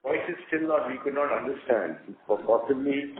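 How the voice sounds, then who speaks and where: A man's voice: mid-range voice, normal speed. Male executive, medium register, conference-call talk through thin telephone audio. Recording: narrow phone line.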